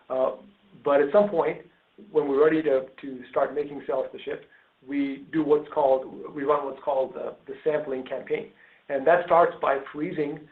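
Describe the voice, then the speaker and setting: A man speaking as a company executive, answering questions on an earnings call with frequent ums and pauses. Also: medium pitch. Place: conference call. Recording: narrow phone-like line, roomy echo.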